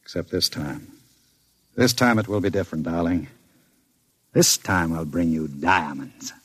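An actor playing a smooth, scheming gangster who talks in a suave, menacing drawl, in a vintage radio drama. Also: male voice, sits low, a little slow, fairly bright tone, no echo, heavily acted. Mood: seductive. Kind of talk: 1940s radio acting.

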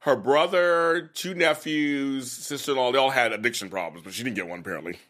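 A man in his late forties hosting a casual chat about a soap opera, chatty and quick to laugh. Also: mid-range voice, slight background noise. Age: late 40s. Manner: chatty, laughs often, animated. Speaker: host.

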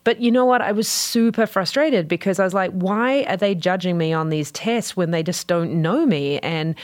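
A woman's voice: on the low side, moderate pace, no room sound, studio quality. A middle-aged woman with a New Zealand accent, telling candid, upbeat stories about her career in a casual way. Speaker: guest, company CEO. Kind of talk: casual storytelling.

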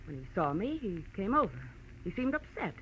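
An actress playing a cool, defensive widow in a 1940s radio melodrama, with an American accent and dramatic, formal delivery. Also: female voice, medium pitch, sing-song, normal speed, natural voice. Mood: indignant, defensive. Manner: haughty, dramatic, indignant formality. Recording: dull, noisy old radio recording.

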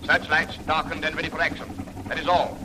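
An actor playing a clipped, authoritative army colonel who gives orders in a 1930s radio drama. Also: male voice, fairly high pitch, completely flat delivery, a little fast, lightly acted. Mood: commanding. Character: commanding army colonel leading tank squadron. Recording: faint hiss of an old radio recording.

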